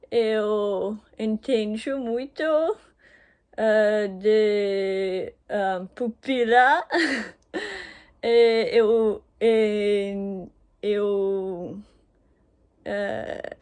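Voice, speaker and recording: A young woman with a German accent speaks slowly in halting beginner sentences, with frequent pauses, fillers and self-corrections, and laughs often. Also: a little high, darkish tone, clear, resonant tone. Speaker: language learner. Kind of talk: unscripted video message to her boyfriend.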